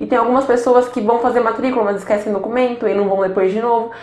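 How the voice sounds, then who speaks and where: A woman speaks in a fairly high pitch with fairly even intonation. Noticeable background noise and audible room echo surround her. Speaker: education YouTuber. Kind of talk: tutorial.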